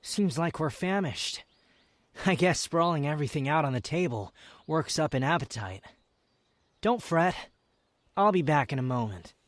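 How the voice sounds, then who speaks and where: A man's voice: on the high side, expressive, moderate pace, long pauses, no room sound, close to an everyday voice. A man playing a proud, sardonic young wanderer, a guarded yet tender lover, in an intimate romantic ASMR roleplay with a teasing, haughty, dramatic delivery. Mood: haughty, playful.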